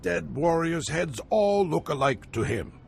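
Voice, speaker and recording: An actor playing a solemn tribal elder who speaks in a measured, persuasive way. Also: male voice, fairly high pitch, lively intonation, gravelly, soft background music.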